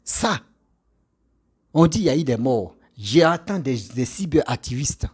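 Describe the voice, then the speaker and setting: A man's voice: on the high side, animated, moderate pace, a little mellow, husky. A man commenting on a clip, talking directly to his audience and leaning on proverbs. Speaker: online commentator. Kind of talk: commentary addressed to viewers.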